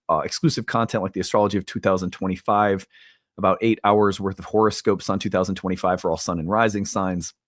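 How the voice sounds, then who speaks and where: A man's voice: fairly low pitch, no echo, studio quality. A man hosting an online talk show, making an earnest, upbeat appeal with some fillers. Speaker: host. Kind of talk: casual talk and fundraising appeal.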